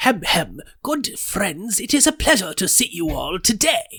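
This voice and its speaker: A put-on character voice, fairly high in pitch, swings very widely up and down. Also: moderate pace. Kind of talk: formal, old-fashioned. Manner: courteous, throat-clearing.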